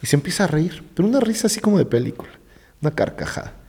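A middle-aged man with a Mexican accent, a gravedigger telling ghost stories in a lively way, often dropping into hushed tones. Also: racing, breathy edge. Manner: vivid storyteller who sinks into hushed low tones. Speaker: gravedigger guest. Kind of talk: animated ghost-story telling in conversation. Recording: roomy reverb.

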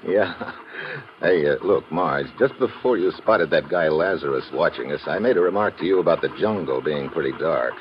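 An actor playing a tough, wry American secret agent in a 1950s radio drama, speaking in a clipped hard-boiled manner. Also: male voice, rumbling low, lively intonation, moderate pace, slight background noise. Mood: probing, guarded. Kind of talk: 1950s radio drama acting and first-person narration. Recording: muffled old radio recording, music behind.

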